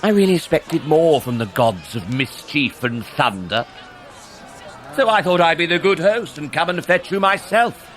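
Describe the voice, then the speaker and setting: An actor playing a theatrical dark elf tyrant in an audio drama, mocking and grandiose, drawing out his words. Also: on the high side, lively intonation. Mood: mocking, menacing. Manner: mocking, grandiose, drawn-out delivery.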